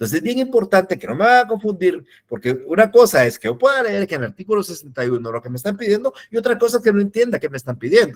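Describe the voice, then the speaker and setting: His pitch swings very widely as the man speaks fairly quickly. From Guatemala. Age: 60s. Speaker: law professor. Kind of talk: lecture.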